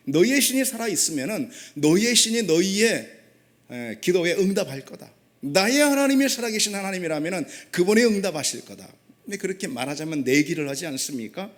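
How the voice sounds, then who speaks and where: Male pastor, fairly high-pitched, emphatic, rhetorical questions, sermon delivery. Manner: emphatic, with rhetorical questions and frequent "yes" asides.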